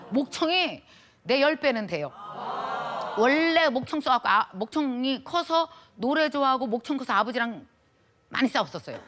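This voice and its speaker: A middle-aged woman lecturer telling a personal story to an audience in a lively, heartfelt, colloquial way. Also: a little high.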